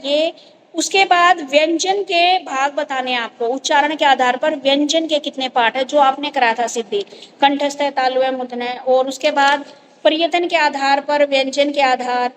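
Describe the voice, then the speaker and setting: A high-pitched woman teaches a grammar lesson, explaining each point patiently and stopping often to check that her students follow. A faint hiss of noise sits under her voice. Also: low-quality recording.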